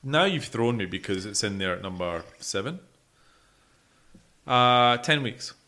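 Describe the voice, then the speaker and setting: A man co-hosting a podcast with casual, jokey banter and quick reactions. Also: fairly low pitch, expressive, pushed and bright. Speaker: podcast co-host.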